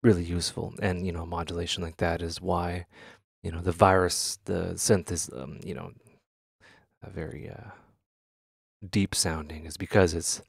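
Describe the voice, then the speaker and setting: A man talks casually through a software demonstration in a low voice with plenty of vocal fry. He hesitates and thinks aloud as he goes. The sound is dry and close, with very little room. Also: little pitch movement, normal speed, dry recording. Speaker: tutorial host. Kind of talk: casual software tutorial talk.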